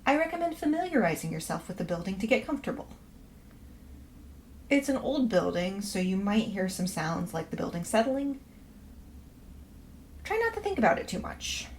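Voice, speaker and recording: An actress playing a polite, quirky professor, reading a letter of instructions aloud in a matter-of-fact, reassuring way for a fiction podcast. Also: female voice, mid-range voice, sing-song, normal speed, pauses often. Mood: reassuring, businesslike. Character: polite, quirky woman professor giving house-sitting instructions. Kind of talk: scripted letter read aloud in a podcast promo. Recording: faint background noise and ambience.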